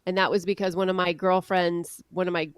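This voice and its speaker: A woman co-hosting a podcast, chatting casually in a relaxed, reflective way and asking questions. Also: on the low side, fairly quick, smooth, dry recording, studio quality. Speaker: podcast co-host. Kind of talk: casual chat.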